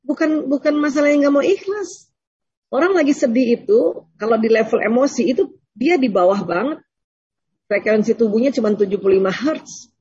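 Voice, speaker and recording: Give this a husky, breathy grain and let it sit slightly high. She's a woman lecturer, talking her audience through questions in a chatty, reassuring way and slipping into little acted exchanges. The sound is dull and muffled, close and dry. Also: lively intonation, normal speed, dry recording. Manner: conversational, gently reassuring, acts out little dialogues. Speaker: religious lecturer. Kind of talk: Islamic lecture with Q&A.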